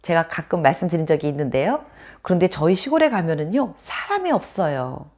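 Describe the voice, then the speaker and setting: A woman from Chungcheong, South Korea, hosting her own channel and chatting to camera in a casual storytelling way, laughing often. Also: fairly high pitch. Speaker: channel host.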